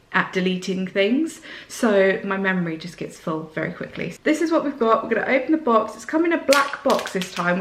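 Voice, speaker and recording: A woman's voice: mid-range voice, echoey room. Chatty woman with a sore throat. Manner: chatty and excitable. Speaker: vlogger. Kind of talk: casual unboxing chat.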